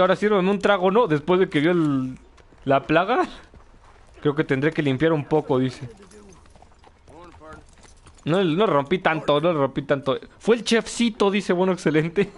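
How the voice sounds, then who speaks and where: A young Mexican man riffs loosely over his gameplay, cracking jokes and answering viewers as he plays. His voice sits a little high for a man. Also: animated, moderate pace. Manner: joking, reads chat aloud, laughs often. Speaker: gameplay streamer. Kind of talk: casual live gameplay commentary.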